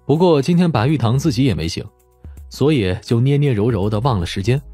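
A male storyteller reads scripted fiction. His pitch moves a lot and his voice has a husky grain. Soft music plays behind him. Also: animated, a little fast, no room sound. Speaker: audiobook narrator.

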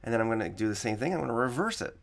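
A man with a slightly raspy voice teaching coding in a screen-recorded tutorial, explaining each step and repeating the key points. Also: mid-range voice, animated, very fast.

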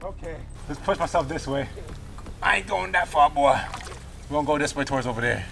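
High-pitched, nervous young African American man. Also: a little fast, vocal fry, fairly bright tone, soft background music. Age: 20s. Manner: nervous, exclamatory, repeats himself. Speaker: vlogger testing a homemade boat. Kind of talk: excitable casual outdoor vlog chat. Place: outdoors on a wooded pond.

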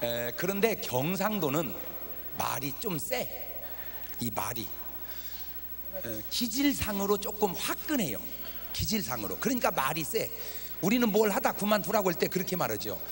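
Bright, lively-pitched male revival preacher. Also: normal speed, pauses often, a little hiss or hum. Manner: humorous, teasing the congregation with questions. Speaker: pastor. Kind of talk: revival meeting sermon. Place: church hall at a revival meeting. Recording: reverberant hall from a TV broadcast.

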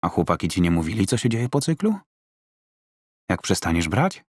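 A weary middle-aged fight trainer, played by a male audiobook narrator. The voice is low and recorded very dry. He talks bluntly and curtly, gruff and quick to swear. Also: very animated, no echo. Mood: exasperated.

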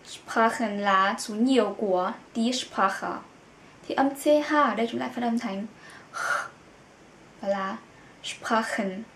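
A young woman teaching German to learners, explaining things and repeating each word slowly. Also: fairly high pitch, fairly bright tone. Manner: explains in Vietnamese, says German words slowly and repeats them. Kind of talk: language lesson for Vietnamese learners. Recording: echoey room with faint background noise.

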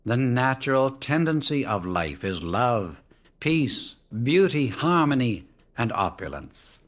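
A man reading a devotional book aloud as an audiobook narrator, in a measured, reverent way with long pauses. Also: medium pitch, sing-song. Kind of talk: slow, solemn reading of devotional text.

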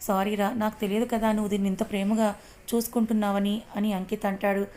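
A woman's voice: mid-range voice, level tone, fast, mellow, lightly acted. A woman doing a goading young sidekick. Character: young man, gossiping sidekick friend.

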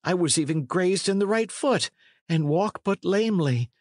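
Guy doing a plaintive young medieval lad, raised voice, courtly and pleading, storybook style, very animated. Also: high-pitched, moderate pace, no echo, clean studio sound, pitched above the performer's own voice. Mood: aggrieved. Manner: courtly, pleading archaic speech. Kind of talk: storybook character reading.

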